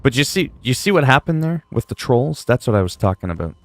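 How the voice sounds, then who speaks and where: A man's voice: mid-range voice, big pitch swings, fairly quick, no room sound, soft background music. A man in his forties chatting casually on a livestream, reading viewers' messages aloud and answering them in a rambling way. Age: 40s.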